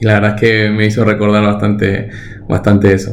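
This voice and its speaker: A man's fairly low-pitched voice with monotone, flat intonation, amid audible room echo and noticeable background noise. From Argentina. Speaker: software consultant. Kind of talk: interview.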